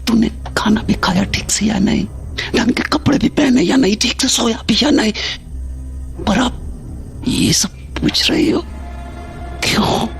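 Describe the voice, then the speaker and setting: A man's voice: extremely high pitch, a little slow, vocal fry, pauses often, soft background music, full character voice. A man voicing an unsettling grown son who comes home after years away, whispering and swinging from sweet to hurt, in a horror audio drama. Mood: wounded pleading. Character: unsettling grown son, returned after 22 years, mother calls him a monster.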